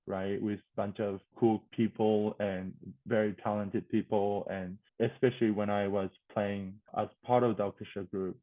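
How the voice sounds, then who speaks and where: A man from Japan with a Japanese accent, answering casually as an interview guest, with hesitant phrasing and searching pauses. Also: fairly low pitch, no room sound. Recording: thin phone-like call audio.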